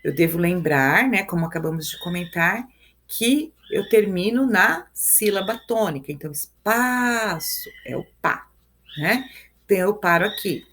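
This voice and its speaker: A woman's voice: fairly low pitch, animated, moderate pace, a bit bright, a little hiss or hum. Brazilian woman teacher, live review class, patient step-by-step explainer who checks in with "né?". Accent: Brazilian Portuguese. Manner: explains step by step, counts syllables aloud, tags lines with "né?" and "ok?". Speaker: Portuguese teacher.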